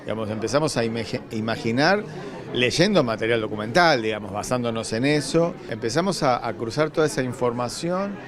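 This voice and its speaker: An Argentine man giving an interview answer in a halting, thoughtful manner, searching for his words. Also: medium pitch, lively intonation. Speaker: radio drama scriptwriter. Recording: crowd chatter behind, public event.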